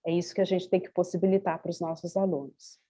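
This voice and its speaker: Brazilian woman panelist, warm mellow tone, hesitant reflective delivery. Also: on the low side, flat delivery, a little fast. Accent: Brazilian Portuguese. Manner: thoughtful, many hesitations and restarts. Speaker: panel speaker on bilingual education. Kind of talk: panel discussion answer.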